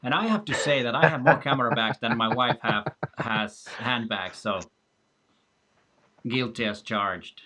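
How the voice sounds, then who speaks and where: A man's voice: medium pitch, a little slow, pushed and bright. Man hosting a live stream. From Finland. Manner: friendly, reads viewer questions aloud. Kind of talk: casual live-stream chat.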